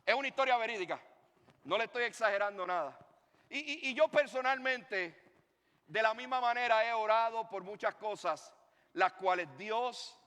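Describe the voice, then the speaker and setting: A man, a pastor preaching a sermon and telling a story with lively swings in his voice. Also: high-pitched, big-room sound. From Puerto Rico.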